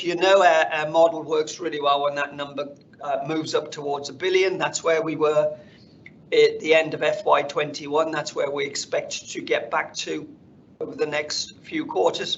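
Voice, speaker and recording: A man speaking as a company finance executive, presenting slides on an earnings call in a measured corporate delivery. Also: fairly high pitch, a bit bright. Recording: dull conference call audio, faint noise.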